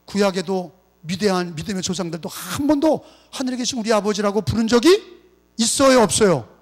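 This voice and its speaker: A male pastor preaching a revival sermon, emphatic, swinging between loud cries and quiet murmurs, and having the congregation repeat after him. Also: high voice, expressive, a little fast. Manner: has congregation repeat phrases. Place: church sanctuary. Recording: long hall reverb, mains hum.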